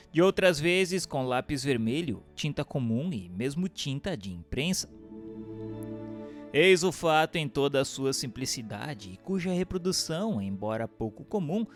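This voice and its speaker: A Brazilian man narrates a book in a formal, declamatory style. His voice sits a little high and moves through wide, animated swings of pitch. Music plays along behind the reading. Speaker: audiobook narrator.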